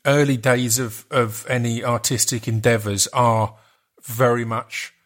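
Man, Essex accent, medium pitch, podcast host, casual interview chat. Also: level tone, unhurried, fairly bright tone. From Essex, England.

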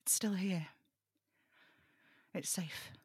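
A woman's voice: on the low side, very slow, a little mellow, husky, dry recording, clean studio sound, full character voice. A woman playing a burdened, defiant young male broadcaster in an audio drama table read, snappish and sarcastic. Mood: anxious, resolute.

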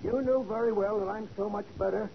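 A creaky, high-pitched old man in a 1940s radio drama. He is a rich, miserly uncle, snappish and suspicious, heard through a dull vintage recording. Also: steady tone, a little fast, slight background noise. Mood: irritable, suspicious. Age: older. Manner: curt, querulous, suspicious.

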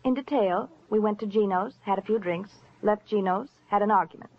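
A woman's voice: mid-range voice, fairly quick, close to an everyday voice. Woman acting as a teasing sophisticated lady, coy, languid, 1940s radio drama, lo-fi. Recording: dull lo-fi old radio recording.

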